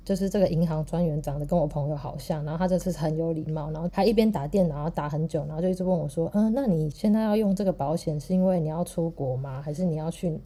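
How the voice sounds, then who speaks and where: Fast-talking Taiwanese woman telling a story. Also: sits low. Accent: Taiwanese Mandarin. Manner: animated, laughs through her story. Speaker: podcast co-host. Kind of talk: casual storytelling chat.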